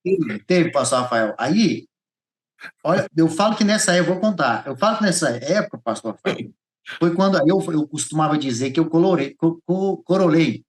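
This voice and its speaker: A man from Goiás with a Brazilian accent shares a personal testimony as a guest on a podcast, his voice a little high and brisk. He's an animated storyteller who acts out the dialogue and repeats phrases along the way.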